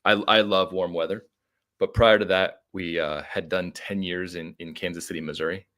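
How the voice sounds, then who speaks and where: Middle aged american guy, low voice, chatting on a podcast, kinda rambly and informal. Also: fairly even intonation, normal speed, a bit bright. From United States (Arizona). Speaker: podcast guest. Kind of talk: casual conversational storytelling.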